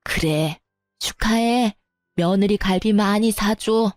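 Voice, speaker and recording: A woman's voice: mid-range voice, slow pace, darkish tone, no room sound, soft background music, natural voice. A woman voicing a cheerful, boastful older acquaintance who chats and brags. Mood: bragging. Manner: chatty, bragging.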